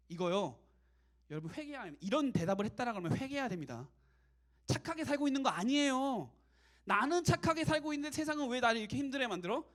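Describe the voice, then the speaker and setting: Guy preaching to a youth group, talks fast, pitch jumping all over, super chatty. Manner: animated, conversational, switches to casual speech. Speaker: youth pastor. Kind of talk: casual sermon to young adults.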